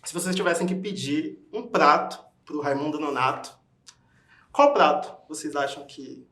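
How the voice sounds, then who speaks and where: A man's voice: fairly high pitch, normal speed, pushed and bright, echoey room. A man interviewing film guests, asking questions casually and nodding along with short affirmations.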